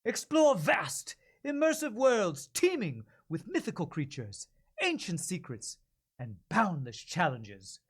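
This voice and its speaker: A man voicing a heroic, excited announcer for an epic fantasy game trailer, pompous and theatrical. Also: sits high, full character voice. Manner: pompous, sweeping, theatrical delivery. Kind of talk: dramatic video game trailer narration.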